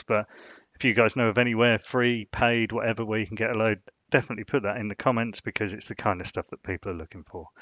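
A man's voice: lowish voice, fairly bright tone, no room sound. A man hosting a casual screen-share design tutorial, rambling and filling gaps with "you know". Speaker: design channel host. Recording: dull, dry lo-fi sound.

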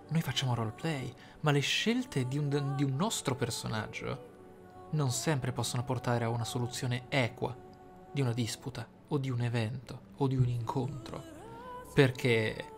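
An Italian man gives casual let's play commentary as a gaming channel host. Game music plays behind his voice. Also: mid-range voice.

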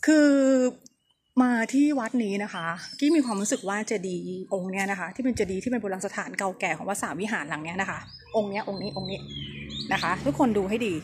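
Medium in pitch and fast-talking, this woman gives a quiet, chatty walking tour of a temple for her travel vlog. The day is overcast, and the outdoor audio is noisy.

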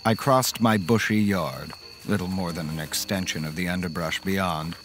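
An actor playing a polite, fussy accountant who tells a horror story in the first person, in a measured way. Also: male voice, low-pitched, background noise, natural voice. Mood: reflective.

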